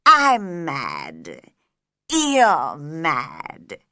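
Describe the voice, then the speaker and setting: A calm, teasing storybook cat that grins through every riddle, voiced by a woman reader. It drags each word out at a very slow, knowing pace, and its tone is bright and clear. The sound is dry and close. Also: low voice, no echo, voice pushed down, full character voice. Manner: slow, drawn-out, knowing delivery.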